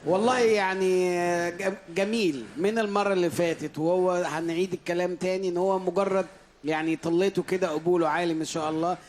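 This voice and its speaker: A man's voice: sits high, steady tone, a little fast. A man with an Egyptian accent, giving casual feedback as a talent show judge.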